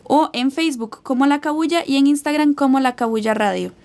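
Woman, radio presenter, high voice, clear formal announcing. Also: a little fast, a little mellow.

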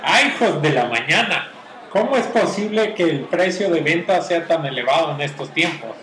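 Radio play role: righteous, fussy Mexican gentleman played by a man, pompous formal diction, slightly high voice, noisy room. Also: lively intonation, normal speed. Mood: indignant. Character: righteous, prim, fussy gentleman, stuffy old-fashioned do-gooder. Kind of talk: old-fashioned radio play acting. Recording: roomy, noisy ambience with crowd behind.

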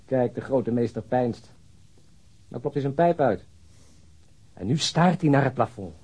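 A man's voice: medium pitch, animated, a little slow, a little mellow, breathy edge. An actor playing a weary, sarcastic male police detective who needles his colleagues in a Dutch radio crime drama. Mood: weary mockery. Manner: sardonic, mocking.

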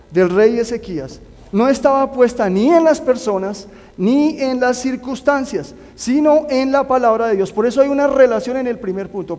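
High-pitched preacher man in a hall. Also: darkish tone. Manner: earnest, urging listeners directly. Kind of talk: sermon. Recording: long hall reverb.

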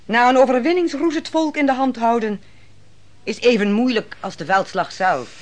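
A woman playing an authoritative, composed judge and leader in a radio play, speaking formally and deliberately. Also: fairly high pitch, natural voice. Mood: stately. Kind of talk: Dutch radio play acting.

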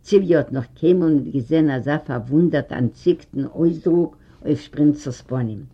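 A storyteller reading a literary story aloud in a measured, steady way. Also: medium pitch, husky. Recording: dull lo-fi recording.

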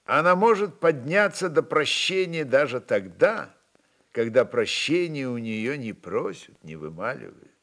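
Slow, expressive male storyteller. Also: medium pitch. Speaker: narrator. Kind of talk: expressive literary narration.

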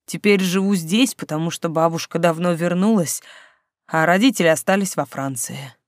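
Reader putting on a self-assured sporty teen boy: calm, firm, a touch lower, dry. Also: normal speed, dry recording, lightly acted. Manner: calm, matter-of-fact.

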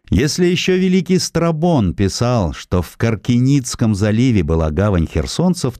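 Low-voiced guy narrating history, really lively intonation, storyteller type, dry close sound. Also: no echo. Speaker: audiobook narrator. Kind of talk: scripted narration of historical essay.

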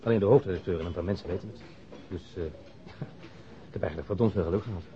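A man's voice: low-pitched, quick pace, dark tone, dull audio, slight background noise. A man playing a chatty, self-deprecating newspaper reporter who talks hesitantly in a naturalistic radio drama. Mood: chatty, grateful. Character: eager, chatty bachelor newspaper reporter, former convict.

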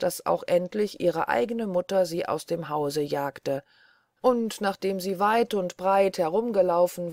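A woman's voice: on the low side, a little mellow, no echo. A woman narrating a fairy-tale audiobook, reading carefully and evenly. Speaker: audiobook reader.

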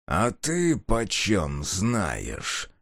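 Gang chief figure, voiced by a man, gruff, slow, threatening, dry close sound. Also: lowish voice, big pitch swings, a little mellow, no room sound. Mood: menacing. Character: gruff, menacing male gang leader.

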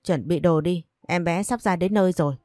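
A brisk middle-aged doctor barking short orders, as a woman reads her lines. The voice is low and mellow, recorded close and dry. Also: no room sound, lightly acted. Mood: commanding. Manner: curt, commanding.

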